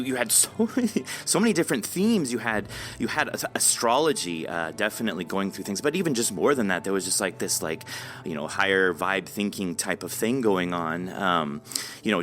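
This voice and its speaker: An American man hosting a casual interview, speaking in an effusive, informal and halting way. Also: fairly low pitch, expressive, fairly bright tone. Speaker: podcast host.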